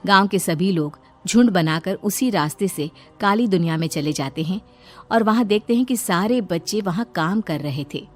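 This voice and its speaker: A woman narrating a scripted storybook cartoon in a soft, steady way. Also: on the low side, normal speed, faint music behind.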